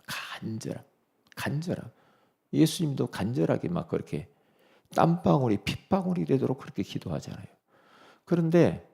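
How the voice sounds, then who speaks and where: A man's voice: fairly low pitch, vocal fry, mellow, breathy edge. A male pastor giving a sermon in an emphatic, conversational way, often asking rhetorical questions.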